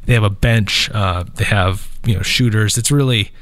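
A man's voice: on the low side, moderate pace, fairly bright tone, no echo. A man hosting a casual sports podcast, talking loosely with a nasal, allergy-stuffed voice and many fillers, in an office conference room. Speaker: podcast host.

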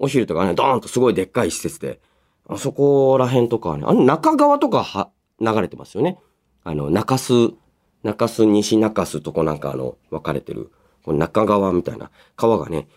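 Radio host, male, 30s. Very lively intonation, casual and chatty delivery. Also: lowish voice. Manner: animated, chatty, interjects own reactions while reading. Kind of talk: casual radio chat, reading listener mail and reacting.

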